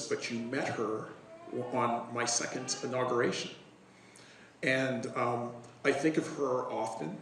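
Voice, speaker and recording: A man's voice: medium pitch, slight background noise. A man, a city councillor, giving formal remarks at a ceremony, his voice strained from a recent illness and hesitant with fillers. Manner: hesitant with many fillers when speaking off the cuff. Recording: roomy hall, distant microphone, faint ambience.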